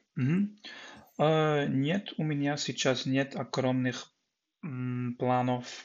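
A man speaks very slowly in a German accent, leaving long, frequent pauses. His pitch varies in an ordinary way. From Germany. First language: German (speaking Russian). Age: 30s. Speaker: accountant, language learner. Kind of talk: interview. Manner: halting, many fillers. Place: home room. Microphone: video call.

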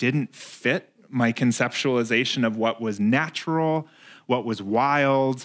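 Over a quiet background, a man talks at a fairly slow pace. His pitch variation is ordinary. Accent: American. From US Midwest. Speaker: museum curator. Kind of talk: live interview. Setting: stage with audience. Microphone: lapel.

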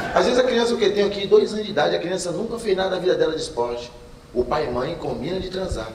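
The voice moves at a very fast pace with very wide pitch swings. There is light background noise and audible room echo. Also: man, high pitch for a man. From Bahia, Brazil. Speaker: stand-up comedian. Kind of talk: stand-up comedy, crude jokes. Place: stage.

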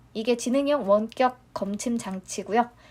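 A woman's calm tone with lively intonation at a fairly slow pace. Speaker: stock market YouTuber. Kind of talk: daily market wrap-up commentary. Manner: calm, soft, casual-formal.

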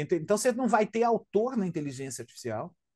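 Against a quiet background, a man speaks at a very fast pace with very wide pitch swings. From Minas Gerais, Brazil (Araguari); Minas Gerais. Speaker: lawyer and university professor; lawyer, university professor. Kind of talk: interview talk. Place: home room. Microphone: video call.

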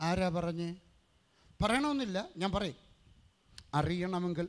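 This male voice sits high in pitch. Behind him, things stay quiet. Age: 60s. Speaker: preacher. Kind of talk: sermon.

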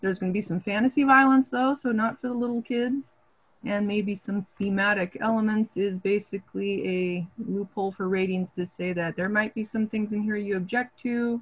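A woman's somewhat breathy voice, dry with no echo, at a moderate pace and with fairly even intonation. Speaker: art class teacher. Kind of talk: lecture. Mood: playful, laughs often. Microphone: video call.

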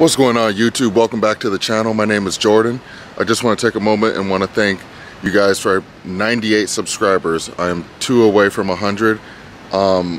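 A man with a fairly low pitch speaks at a fairly quick pace in a plain, everyday voice, with fairly even intonation, a dry sound with no echo, and light background noise. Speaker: car vlogger. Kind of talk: casual vlog chat. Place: street. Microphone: phone near.

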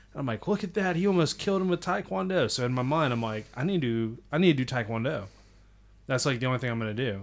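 Very wide pitch swings mark this man's very fast speech. The recording is very clean, with a silent background. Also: medium pitch for a man. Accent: Southern US. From US South. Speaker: podcast host. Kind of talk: casual chat. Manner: animated.

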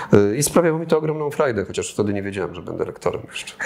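A man's very fast delivery with lively intonation. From Poland, Sochaczew; Poland. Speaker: news reader and voice-over artist; news reader. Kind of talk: scripted news reading; interview answer. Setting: studio. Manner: very clear articulation. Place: studio.

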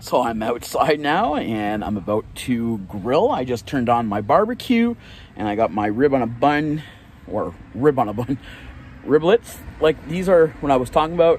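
A man at a moderate pace, with a dry sound with no echo and light background noise. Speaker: vlogger. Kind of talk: casual vlog chat. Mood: relaxed, cheerful. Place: street. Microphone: phone near.

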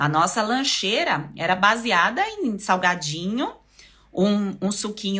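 A woman's bright, sharp voice, lively in intonation and fairly slow, against a quiet background. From Brazil. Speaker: nutritionist; nutrition educator. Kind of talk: educational talk. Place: home room. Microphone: phone near.

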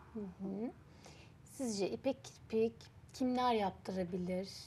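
A woman speaks at a very slow pace with a dark, mellow tone and ordinary pitch variation. Her voice is somewhat breathy over light background noise. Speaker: TV talk show host. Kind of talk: TV interview. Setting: TV studio. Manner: formal. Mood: warm, smiling. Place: studio.

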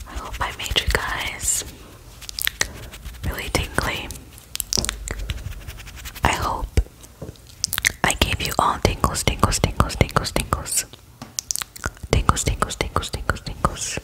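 A soft-spoken woman whispers in a breathy voice at a fairly slow pace. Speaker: ASMR creator. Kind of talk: soft ASMR whisper talk. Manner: soft breathy ASMR whisper.

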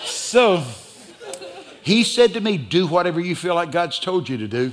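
A man talks with a Southern US accent in a high voice, with lively intonation. Crowd noise can be heard in the background. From Texas. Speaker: pastor. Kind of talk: sermon. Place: church.

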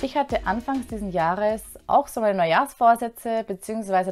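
Faint music sits in the background while a woman speaks at a moderate pace in a fairly high pitch with ordinary pitch variation. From Austria. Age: 20s. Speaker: youth presenter sharing faith reflection; youth faith vlogger. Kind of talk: casual religious testimony monologue. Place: home room. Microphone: lapel.

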